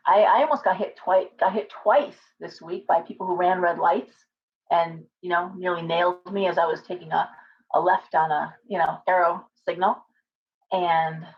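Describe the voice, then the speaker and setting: A middle-aged woman, a tarot reader, chatting casually on a livestream from her living room, hoarse from coughing and rambling with many restarts. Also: lowish voice. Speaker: tarot reader and shop owner. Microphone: webcam at desk distance. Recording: slightly dull lo-fi webcam audio.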